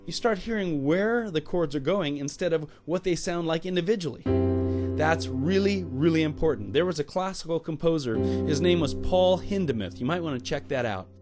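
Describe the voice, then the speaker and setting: Man, piano teacher, playful and jokey, slightly high voice, loud piano behind. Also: lively intonation, moderate pace. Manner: playful, exclaims and jokes between chord demos. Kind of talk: casual on-camera piano lesson. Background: piano playing.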